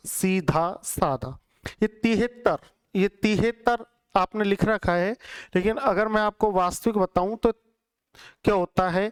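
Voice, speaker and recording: Hindi teacher drilling word spellings. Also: male voice, sits high, clean tone. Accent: Rajasthani Hindi. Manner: drills words by repeating them and quizzing students. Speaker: Hindi exam-prep teacher. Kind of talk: classroom lecture.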